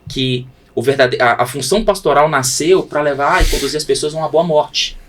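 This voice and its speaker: Pastor with a preaching cadence. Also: male voice, fairly high pitch, brisk, a little hiss or hum. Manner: preaching cadence, swings from loud emphasis to hushed. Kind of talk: podcast conversation.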